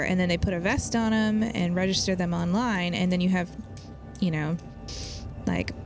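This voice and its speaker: A streamer chatting casually while gaming, teasing friends and laughing often. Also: medium pitch. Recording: clear background noise.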